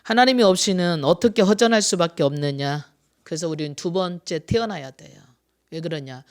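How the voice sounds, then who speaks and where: A pastor in their sixties delivering a Sunday sermon, asking the congregation rhetorical questions and repeating phrases, rising to loud emphasis and then dropping to quiet asides. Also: mid-range voice, moderate pace. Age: 60s.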